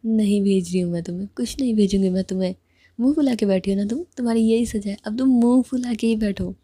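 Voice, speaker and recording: A playful young woman teases and scolds her sweetheart, as a woman reads her part. The voice is husky and mellow, close and dry. It is told as a spoken love story. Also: medium pitch, fast talker, no echo, natural voice. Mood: teasing scolding. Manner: scolding, teasing.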